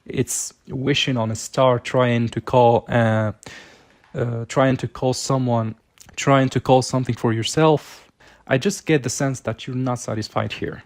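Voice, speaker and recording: A man with a mid-pitched voice reads tarot cards for his listener. He talks casually and conversationally, explaining each card as host and thinking aloud as he goes. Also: steady tone, a little slow. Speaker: tarot reader, channel host.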